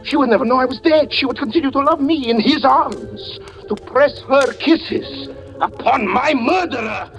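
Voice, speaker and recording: An actor in a 1940s radio drama playing a grief-stricken man who confesses his wife's death, brooding and swinging from hushed tones to anguished cries. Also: very high-pitched, animated, moderate pace, low-quality recording. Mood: brooding, haunted. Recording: old radio broadcast with faint music.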